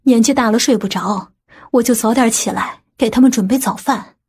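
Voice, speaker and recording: A woman plays a fretful older mother in an audiobook drama. Her voice is fairly high and husky, with a nagging, questioning delivery. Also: normal speed, darkish tone. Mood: gentle pleading.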